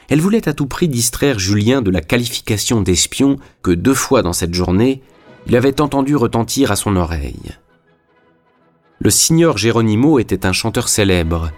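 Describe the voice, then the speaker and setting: Man, audiobook narration, low voice, measured pace, faint music behind. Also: darkish tone. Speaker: audiobook reader. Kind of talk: scripted novel narration.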